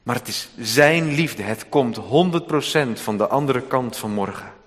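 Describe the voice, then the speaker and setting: A man preaching a sermon, swinging between hushed, slow passages and loud, emphatic ones. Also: mid-range voice, animated. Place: church hall. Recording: long church reverb.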